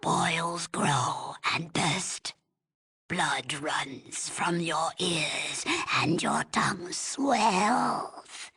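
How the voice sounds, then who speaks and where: A woman playing a weary, stern old tribal elder in a video game, with a breathy, husky rasp and a solemn, halting, commanding manner. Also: sits low, pushed and bright, full character voice. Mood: grim, haunted. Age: older. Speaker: village elder. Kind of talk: dramatic video game voice acting.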